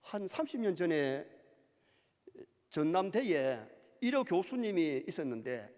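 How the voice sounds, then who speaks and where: A male pastor preaching a sermon, lively and emphatic, with quoted asides. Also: high voice. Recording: church hall reverb.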